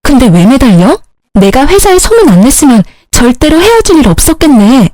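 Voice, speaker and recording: A woman voicing a furious young mistress, a bitter single mother who shouts accusations. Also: on the high side, very animated, normal speed, no echo.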